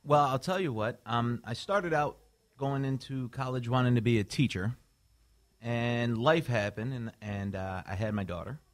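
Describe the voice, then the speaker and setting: A man from Chicago, a mental health clinician, earnestly explaining his path as a radio guest. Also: mid-range voice. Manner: earnest, measured, some restarts. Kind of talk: radio interview answers.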